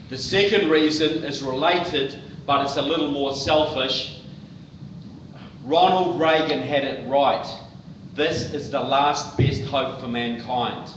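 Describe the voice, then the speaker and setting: A man with a New Zealand accent addresses a crowd directly and plainly, calling out to the folks in front of him. He is recorded from far back in a roomy church hall. The sound is muffled and carries clear background noise. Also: medium pitch. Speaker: guest speaker. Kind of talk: political speech to a live audience. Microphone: far-off tablet recording.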